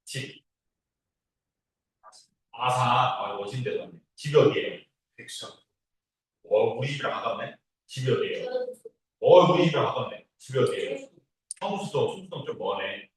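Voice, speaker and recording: A man's voice: mid-range voice, animated, moderate pace, long pauses. Guy teacher chatting casually to his class, reassuring, really echoey and kinda far from the mic. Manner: easygoing, reassuring, asks listeners to confirm. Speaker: instructor. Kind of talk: informal classroom orientation talk. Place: indoor classroom, recorded from a distance. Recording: very echoey room, distant mic.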